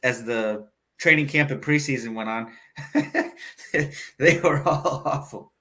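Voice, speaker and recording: A man co-hosting a casual sports podcast, jokey and quick with a laugh. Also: medium pitch, bright, forceful tone, poor audio. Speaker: podcast co-host.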